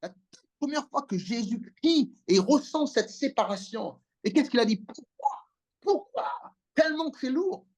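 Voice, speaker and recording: Fiery preacher with swooping pitch. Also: lively intonation, moderate pace, darkish tone. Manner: emphatic call-and-response preaching, asking for amens. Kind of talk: impassioned sermon over a video call. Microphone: video call.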